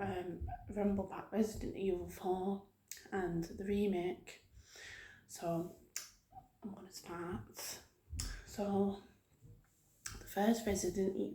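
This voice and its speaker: A woman speaking softly in an ASMR style, rambling gently and haltingly as she talks to her viewers. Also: on the low side. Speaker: video creator hosting her own channel. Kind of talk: soft-spoken ASMR ramble about video games. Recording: roomy, echoing sound.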